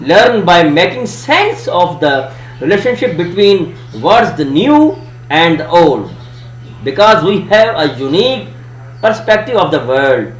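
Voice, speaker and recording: A man with a South Asian accent, a native Urdu speaker, delivers a lesson as a presenter. His voice sits high and swings widely as he stresses key terms in a didactic way. The room is echoey around him. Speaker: student presenter giving a lesson. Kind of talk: educational presentation. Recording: echoey room, faint hum and hiss.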